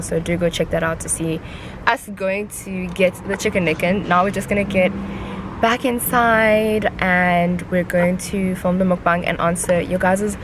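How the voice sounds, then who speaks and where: A young woman talks casually to her camera, bubbly and quick to laugh. Her voice sits a little low for a woman. The recording carries clear background noise, like handheld vlog audio. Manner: chatty, giggly, bubbly. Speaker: vlogger host.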